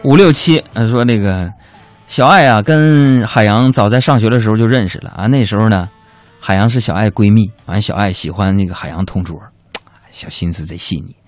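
A man's voice: on the low side, fairly quick, no room sound, faint music behind. A man hosting a comic radio talk show, reading listener messages in a playful, self-mocking storytelling way.

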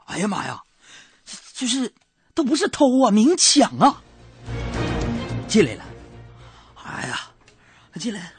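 A male radio host with a Northeastern Chinese accent, telling comic stories in a hammy, animated way. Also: sits high, measured pace, long pauses, breathy edge, soft background music. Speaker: radio talk show host. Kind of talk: comic storytelling monologue. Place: radio studio.

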